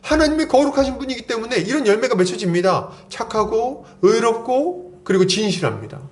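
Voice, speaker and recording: A man's voice: very high-pitched, sing-song, fairly quick. A male pastor preaching a sermon at a church service, pressing the congregation with rhetorical questions and acting out everyday conversations in casual speech.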